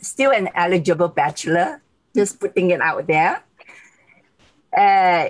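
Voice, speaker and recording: A woman in her sixties with a Malaysian accent, speaking as a guest on a video call, warm and grateful, often laughing. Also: lowish voice, poor audio. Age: 60s.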